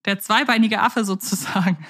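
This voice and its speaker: A woman co-hosting a podcast in casual chat, talking in a lively, chatty way with quick laughs. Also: mid-range voice. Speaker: podcast co-host. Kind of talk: casual chat about radio plays.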